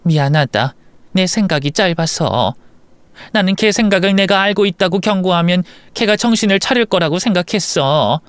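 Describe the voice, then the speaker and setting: Man voicing an elderly mother, remorseful, soft-spoken, high smooth tone. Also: animated, moderate pace, dry recording. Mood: regretful. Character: apologetic elderly mother, gentle and regretful. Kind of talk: storybook voice acting.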